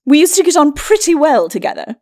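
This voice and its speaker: A woman's voice: high-pitched, sing-song, fairly quick, dark tone. A woman voicing a bickering undead skeleton lord in a storybook, haughty and mocking in archaic aristocratic speech. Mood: irritable, dismissive. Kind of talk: storybook character acting.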